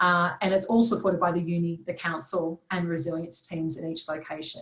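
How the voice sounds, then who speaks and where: A woman talks at a fairly quick pace in a fairly low, somewhat breathy voice. Her intonation is monotone and flat. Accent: Australian. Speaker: community engagement panelist. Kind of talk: webinar presentation. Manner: fast.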